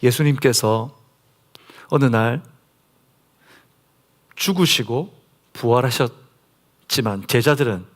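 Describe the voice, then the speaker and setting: Korean pastor preaching with whispered dips. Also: male voice, mid-range voice. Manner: dramatic, drops to a soft whisper for intimate lines and rises loud for emphasis. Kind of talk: sermon. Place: church sanctuary.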